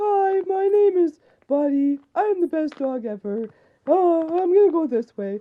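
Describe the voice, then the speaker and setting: A woman puts on a character voice at an extremely high pitch. She keeps to a moderate pace. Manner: silly, cheerful.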